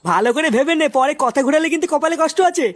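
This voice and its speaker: A man playing a skeptical, grumbling village family man in a comedy cartoon, with an exasperated manner. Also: extremely high pitch. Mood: skeptical, brisk. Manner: brisk, exasperated.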